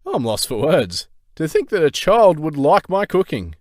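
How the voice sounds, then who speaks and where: A man's voice: on the high side, wildly swooping pitch, moderate pace, no echo, clean studio sound, pitched above the performer's own voice. A man voicing an overeager mid-thirties father in a cartoon, dramatic and exuberant. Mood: melodramatic. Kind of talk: cartoon voice acting.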